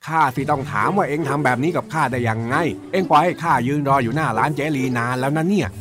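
A man's voice: a little high, fast talker, lightly acted. A man playing a grumpy, impatient old uncle in a children's radio drama. He scolds and blusters in rustic speech. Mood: scolding. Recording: music playing underneath.

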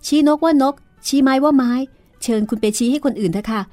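A woman's voice: a little high, lively intonation, moderate pace, soft background music, voice pushed up. Woman reading as a proud, indignant young woman. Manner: sharp, refusing.

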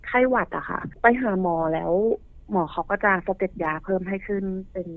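A woman's voice: medium pitch, fairly quick, no echo. A woman pharmacist guest explaining medicine plainly and reassuringly. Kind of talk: casual explanation. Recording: tinny phone-like line.

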